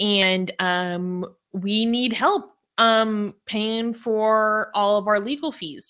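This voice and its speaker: A woman's bright, sharp voice with ordinary pitch variation against a quiet background. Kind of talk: appeal for donations, explanation. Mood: earnest, serious. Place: home room.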